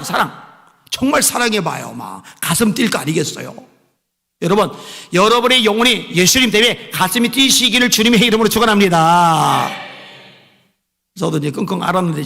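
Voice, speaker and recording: A man pastor preaching a sermon with impassioned swings between soft pleading and raised exhortation. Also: sits high, vocal fry, big-room sound.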